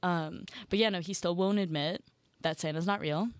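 A young woman with a slightly low voice co-hosts a relaxed chat, tossing in wry, deadpan remarks. The recording is close and dry, with no room sound. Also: normal speed, dry recording. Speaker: podcast co-host. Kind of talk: casual chat.

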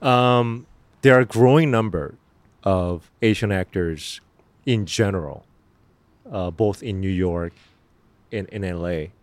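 Low-voiced man with a Korean accent. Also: no room sound. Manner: earnest, halting speech with fillers and restarts. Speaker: actor guest. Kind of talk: casual interview answers.

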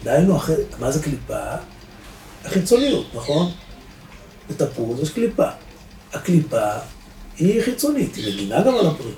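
Animated rabbi in an echoey hall. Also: male voice, on the high side, pauses often. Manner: lively, rhetorical questions, swings loud and soft. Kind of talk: Torah lesson to a live audience. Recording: echoey room, distant mic, faint noise.

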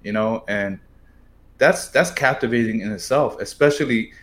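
A man co-hosting a casual podcast conversation. He rambles loosely and leans on "you know" between thoughts, in a somewhat low voice. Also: normal speed, a bit bright. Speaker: podcast co-host. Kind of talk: casual chat.

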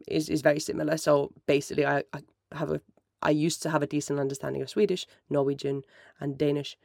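Thirties, gravelly, dry close sound, rambling solo chat. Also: medium pitch, no room sound. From Finland. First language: Finnish. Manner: mellow, rambling, self-correcting. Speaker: podcast host. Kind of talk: casual solo chat answering listener questions.

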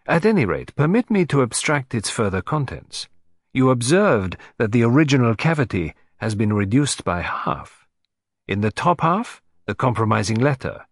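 A man's voice: medium pitch, sing-song, normal speed, no room sound. A man voicing a fussy, precise male Belgian detective with a French-tinged accent and a polite, dry manner. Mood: measured. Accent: French-tinged English.

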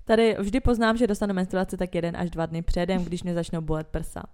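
A young woman co-hosts a podcast in loose, casual talk. She is blunt, swears freely and laughs often. Her voice sits somewhat low for a woman. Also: flat delivery, a little mellow. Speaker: podcast co-host. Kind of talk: casual chat.

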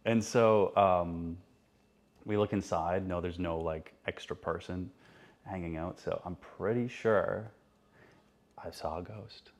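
A man telling a childhood ghost story in a laid-back, halting way, full of pauses and ums, as a podcast guest. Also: sits low, steady tone. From Canada.

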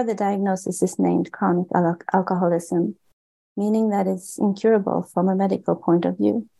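A Swedish-accented woman reads aloud from her own book in a steady, earnest way. Her voice is gravelly and mellow, and she sometimes restarts a word before carrying on. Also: on the low side, rough recording. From Sweden. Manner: earnest and measured, with small restarts on words. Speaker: author and guest.

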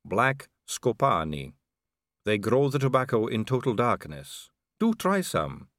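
Brief: male narrator as a sly aristocratic vampire lady, audiobook; cool, unhurried, faintly mocking. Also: medium pitch, big pitch swings, a bit bright, no room sound, studio quality. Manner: cool, drawling, amused and poised. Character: calm, elegant, sly female vampire noblewoman. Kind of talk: audiobook character reading.

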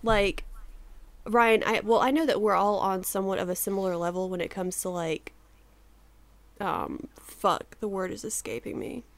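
A woman's voice: mid-range voice, steady tone, normal speed. A woman in her thirties co-hosting a podcast in casual chat, laughing often and swearing freely, her voice a little sleepy. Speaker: podcast co-host.

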